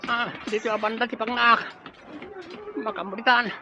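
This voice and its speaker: A woman's voice: fairly high pitch, fairly even intonation, moderate pace, a crowd in the background, background noise, close to an everyday voice. A woman playing a frightened tribal fighter in an Ilocano radio drama. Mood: alarmed.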